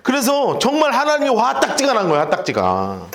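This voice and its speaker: A man's voice: very high voice, brisk. A male pastor giving a Bible study sermon in a church, casual and colloquial, often acting out little scenes. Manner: lively, colloquial, acts out scenes.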